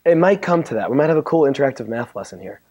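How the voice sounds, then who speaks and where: A man with a hoarse, worn-out voice giving a chatty, joking technical talk at a conference and bantering with the audience. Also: medium pitch, expressive, racing, a little mellow. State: hoarse, losing his voice. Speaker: conference speaker. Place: conference room. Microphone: handheld or stand mic.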